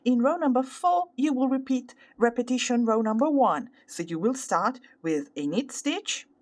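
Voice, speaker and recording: A woman with an Italian accent, a native Italian speaker, explaining a craft tutorial carefully, step by step and with pauses. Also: a little high. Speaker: crochet tutorial host. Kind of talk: instructional craft tutorial, unscripted.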